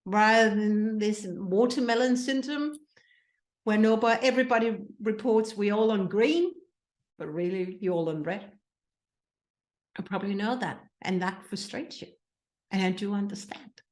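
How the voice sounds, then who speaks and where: A woman's voice: mid-range voice, normal speed, a little mellow, echoey room. A woman from Denmark with a Danish accent, speaking as a mindset coach and host, putting many questions to her listeners. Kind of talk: motivational talk to listeners.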